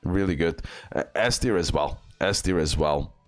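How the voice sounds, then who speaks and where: Brief: low-voiced male gaming host, casual reading of game stats with ums. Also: moderate pace, faint music behind. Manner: reads skill text aloud with fillers and restarts. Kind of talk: game tier list commentary.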